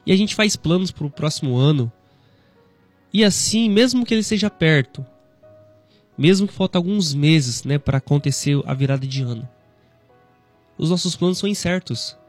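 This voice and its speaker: A man in his thirties with a Brazilian Portuguese accent, hosting a devotional radio talk in a conversational, gently preaching way, often tagging lines with "né". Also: on the high side, lively intonation, moderate pace, long pauses, no room sound, faint music behind. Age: 30s.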